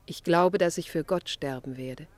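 A woman's voice: deep voice, moderate pace, no room sound, close to an everyday voice. An actress playing a devout, fearless young Christian woman in a German radio play, speaking with solemn, fervent dignity. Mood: exalted, solemn.

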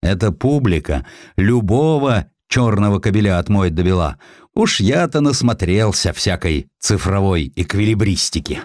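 A man playing an elderly, venerable editor looks back in an audiobook drama. The voice is low and swings widely, savoring each florid phrase with wry self-mockery. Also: very animated, normal speed, darkish tone, dry recording, studio quality. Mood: scornful. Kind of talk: dramatized audiobook character quotes.

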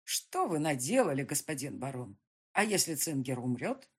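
A woman's voice: a bass voice, sing-song, normal speed, breathy edge, full character voice. A woman voicing a gloating male burgomaster in an audiobook.

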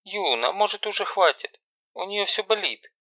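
A man's voice: fairly high pitch, lively intonation, unhurried, vocal fry, pushed and bright, no room sound, pitched above the performer's own voice, heavily acted. A man voicing a flustered middle-aged mother who fusses anxiously over her daughters. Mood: anxious fretting. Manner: anxious, fussing. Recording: dull lo-fi recording.

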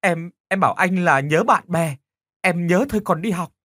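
A man's voice: high-pitched, moderate pace, a bit bright, no room sound, studio quality. A man doing a stammering guilty teacher. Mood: pleading. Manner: pleading, stammering. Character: guilt-stricken male teacher, pleading. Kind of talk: horror audiobook reading.

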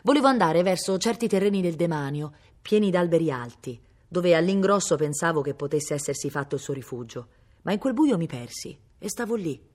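A woman reading a novel aloud in a measured, steady way, recorded at a public library. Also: lowish voice. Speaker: reader.

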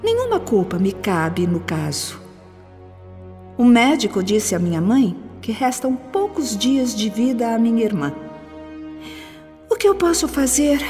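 A woman's voice: a little high, a little mellow. An actress with a Brazilian accent playing a cold, resentful young woman justifying herself in an introspective radio drama monologue. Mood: cold, unrepentant. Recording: long reverb, music behind.

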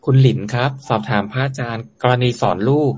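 A man's voice: medium pitch, brisk, darkish tone, slightly rough, lo-fi sound. A man moderator who names each sender and plainly reads out listener questions to the monk. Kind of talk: reading questions aloud.

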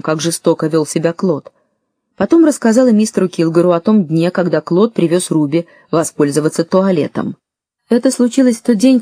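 A woman narrating a first-person audiobook story in a lively, wry way. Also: on the low side, no echo, studio quality.

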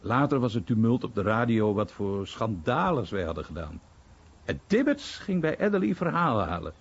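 A man's voice: medium pitch, sing-song, moderate pace. An actor voicing an American war airman, vividly recounting bombing missions as a documentary voice-over. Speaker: voice actor reading a veteran's memories. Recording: dull sound with clear background noise.

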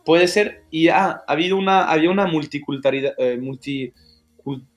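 A man's voice: a little high, moderate pace, soft background music. A young adult man with a Mexican accent, co-hosting a casual podcast chat, slangy and dropping English phrases. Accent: Mexican Spanish. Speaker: podcast co-host.

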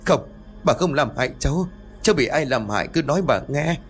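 A man voicing a terrified old village woman who pleads and panics in a rushed, breathless way. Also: mid-range voice, lively intonation, faint music behind, natural voice. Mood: pleading terror. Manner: frantic, pleading, breathless rush.

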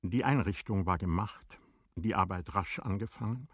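A man narrating a literary radio play in a measured, formal storytelling manner. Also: low-pitched, fairly bright tone, breathy edge, no echo, studio quality.

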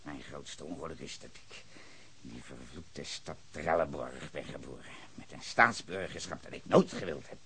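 A gravelly, embittered old sea captain. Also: male voice, lively intonation, moderate pace, a little hiss or hum, full character voice. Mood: brooding. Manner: swings from low brooding mutter to furious shouting. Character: bitter hard-drinking former sea captain, volatile. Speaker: suspect questioned by detective. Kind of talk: radio drama.

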